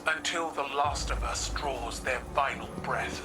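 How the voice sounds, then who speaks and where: An actress playing a proud, stern alien warrior empress in a video game, speaking in a regal, formal, declarative way. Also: female voice, a bass voice, measured pace, recorded from a distance. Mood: grave, defiant. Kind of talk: scripted video game dialogue.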